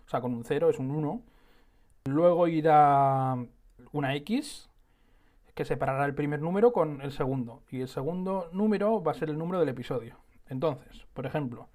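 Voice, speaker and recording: A man's voice: medium pitch, a little mellow. A man hosting his own podcast alone, explaining things in a chatty, rambling way and often correcting himself mid-sentence. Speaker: podcast host.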